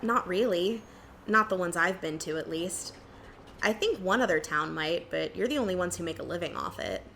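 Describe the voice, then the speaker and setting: A woman's voice: lowish voice, very animated, normal speed, creaky, bright, forceful tone, a little hiss or hum, full character voice. A woman playing a wry, frank cryptid empath in an audio drama, with a dry, teasing, casual delivery. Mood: curious.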